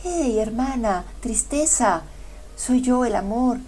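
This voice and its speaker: A woman's voice: fairly high pitch, lively intonation, takes it slowly, a little mellow, a little hiss or hum, voice pushed up. A woman voicing Love as a desperate male figure in a spoken fable, pleading in a raised, frantic voice.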